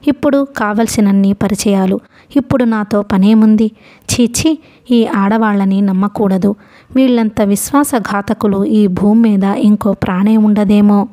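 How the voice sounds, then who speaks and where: A woman voicing a hurt, indignant young man who answers in sharp, clipped retorts, reading from an audiobook novel. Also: mid-range voice, natural voice.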